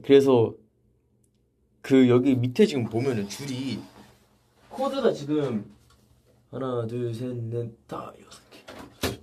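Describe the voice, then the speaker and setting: A young man hosting a casual livestream from a vocal practice room, reading viewer comments aloud and answering them in a relaxed, chatty way. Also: mid-range voice, slight background noise. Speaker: idol livestream host.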